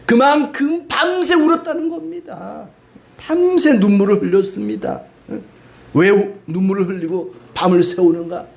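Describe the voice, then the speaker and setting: A man's voice: high-pitched, moderate pace, gravelly. A man preaching a sermon in a conversational way, dropping frequent rhetorical asides and rising into pleading emphasis. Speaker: pastor.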